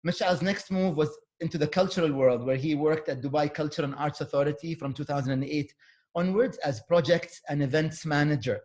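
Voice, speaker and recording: A man hosting an online talk over a video call, reading a guest's introduction in a relaxed, halting way with fillers and the odd Arabic word. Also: a little high. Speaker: host. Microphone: computer mic on a video call.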